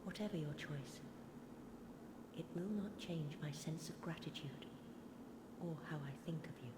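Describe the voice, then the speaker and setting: A gentle fantasy game sorceress, speaking slowly and formally in a fairly low register. Her courteous, devoted words ring through a long-reverberating hall with loud ambient noise. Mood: gentle, reassuring. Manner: formal, measured, archaic phrasing. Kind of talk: fantasy video game voice acting.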